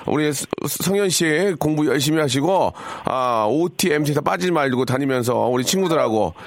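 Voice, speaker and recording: A man's voice: fairly high pitch, animated, moderate pace. A man hosting a live radio call-in show, chatting with a caller and reading out listener texts. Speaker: radio host. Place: radio studio.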